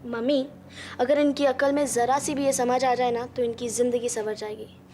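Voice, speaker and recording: A woman playing a mocking, sharp-tongued young woman. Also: fairly high pitch, little pitch movement, moderate pace, slight background noise, lightly acted. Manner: mocking, cutting. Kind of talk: TV serial drama acting.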